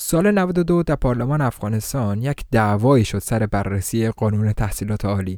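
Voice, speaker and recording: A man speaks at a fairly quick pace with lively intonation in a plain, everyday voice. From Iran, Karaj (Afghan family). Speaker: podcast host. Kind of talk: interview answers, partly read.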